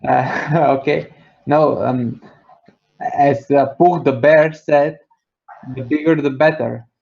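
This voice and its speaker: A man from Bulgaria with a fairly high voice asks a question from the audience. He hesitates, restarts and fills the gaps with filler sounds, and the recording sounds dull and lo-fi. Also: slow pace, gravelly, a little mellow. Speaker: audience member asking a question.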